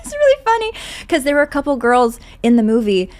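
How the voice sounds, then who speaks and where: A woman's voice: high voice, huge pitch swings, fast talker, darkish tone. A young woman chatting casually as a podcast guest, telling anecdotes in a giggly, talkative way full of "like". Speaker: podcast guest, voice actor and singer.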